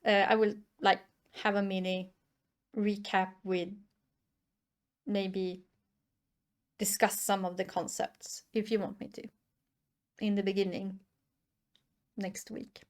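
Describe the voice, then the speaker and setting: Scandi-woman rambling slowly thru a show reaction, stops and restarts a lot. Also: medium pitch, flat delivery. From Sweden or Norway. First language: Swedish and Norwegian. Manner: thinking aloud, hesitant, many restarts and fillers. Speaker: reaction channel host. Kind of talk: casual reaction commentary.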